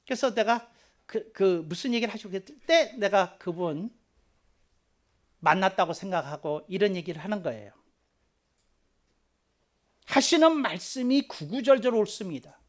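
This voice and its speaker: A man preaching a short children's sermon as a pastor, talking conversationally, repeating key phrases and swinging into loud, emphatic bursts. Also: sits high, normal speed.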